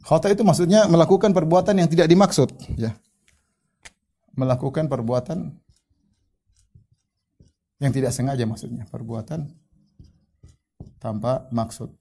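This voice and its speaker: A man's voice: on the high side, moderate pace, gravelly, long pauses, dark tone, breathy edge. A male Indonesian preacher giving a religious lecture, explaining terms and retelling stories with quoted dialogue. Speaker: Islamic preacher.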